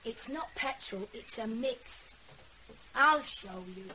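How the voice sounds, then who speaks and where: A woman's voice: fairly high pitch, expressive, takes it slowly, sharp tone, a little hiss or hum, heavily acted, low-quality recording. An actress playing a blunt, rebellious fifteen-year-old girl with a British accent in a radio drama. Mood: playful, bossy.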